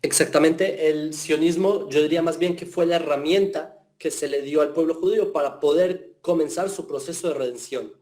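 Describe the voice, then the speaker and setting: A man's voice: a little high, moderate pace, hardly any pauses, darkish tone. A man teaching a class over a video call, patiently explaining and often checking in with his listeners. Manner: patient, explanatory, frequent tag questions. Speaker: teacher of Jewish philosophy. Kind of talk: online class answering questions.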